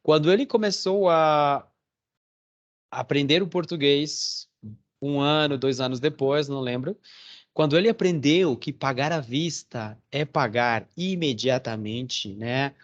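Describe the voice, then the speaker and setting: A man's voice: medium pitch, muffled recording. A man teaching a Portuguese class online, telling stories in a chatty way and checking in with his students often. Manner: chatty storytelling with frequent "né?" and "tá certo?". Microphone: phone or computer on a video call.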